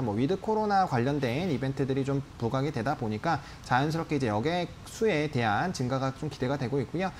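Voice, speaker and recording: A man's voice: on the high side, slight background noise. A man in his thirties giving live stock commentary as a TV analyst, explaining in polite formal speech. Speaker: stock market analyst on a TV show. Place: TV studio. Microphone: lapel mic.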